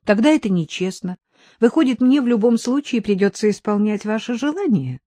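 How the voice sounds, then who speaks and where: A woman voicing a skeptical grown woman with quick, dry retorts in an audiobook. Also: fairly high pitch, very animated, mellow, no room sound, pitched above the performer's own voice.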